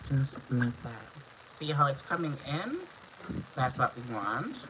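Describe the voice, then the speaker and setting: A woman from Antigua and Barbuda, hoarse from a cold, talking viewers through a makeup look on a livestream. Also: extremely low pitch, animated, slow pace. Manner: chatty, instructional, greets viewers by name. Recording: dull lo-fi stream audio with clear background noise.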